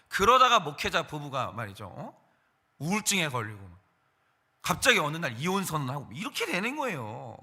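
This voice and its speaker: Animated, bright-voiced male pastor preaching. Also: high-pitched. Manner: acts out quoted voices of Satan and believers. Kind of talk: morning sermon. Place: church.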